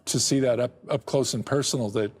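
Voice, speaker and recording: A middle-aged man answering interview questions about his work and family, speaking haltingly with frequent restarts and soft chuckles. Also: medium pitch, slightly rough. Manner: halting, many restarts and repeated words; chuckles often. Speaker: guest, ministry director.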